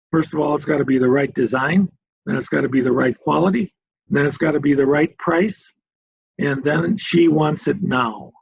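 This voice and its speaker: A fairly high-pitched, somewhat breathy male voice with ordinary pitch variation. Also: moderate pace. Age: 70s. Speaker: furniture company founder and chairman. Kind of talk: Q&A answer at a club meeting. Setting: video call.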